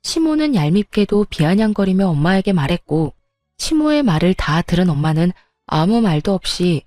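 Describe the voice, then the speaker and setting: Woman, first-person story narration, mellow dark voice, steady telling. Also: lowish voice, moderate pace, no echo, clean studio sound, soft background music.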